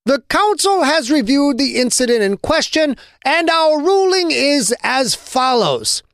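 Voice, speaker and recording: A man's voice: very high-pitched, a bit bright, no room sound, studio quality, voice pushed up, heavily acted. A man voicing a smug, scheming male council member who sounds falsely earnest.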